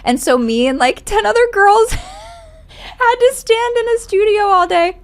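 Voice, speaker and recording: A woman's voice: extremely high pitch, lively intonation, measured pace. A young woman chatting casually as a podcast guest, telling anecdotes in a giggly, talkative way full of "like". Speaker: podcast guest, voice actor and singer.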